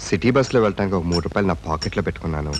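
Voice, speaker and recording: A man's voice: deep voice, expressive, racing, slight background noise. An actor playing a polite, earnest young man who speaks respectfully in a film scene. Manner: polite, earnest speeches, addresses others as sir. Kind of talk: film dialogue.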